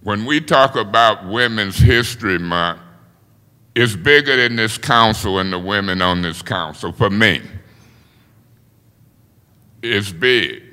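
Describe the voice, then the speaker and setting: A man's voice: fairly low pitch, sharp tone, clear, resonant tone, big-room sound. A man chairing a city council meeting as its president, speaking in an informal, folksy way in council chambers. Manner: informal, folksy speech with plain talk.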